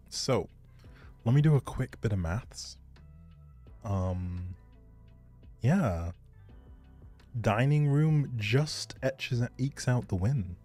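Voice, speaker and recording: A man's voice: fairly low pitch, dark tone. A man chatting casually and thinking aloud on a gaming livestream, easygoing and polite. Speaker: video game livestreamer.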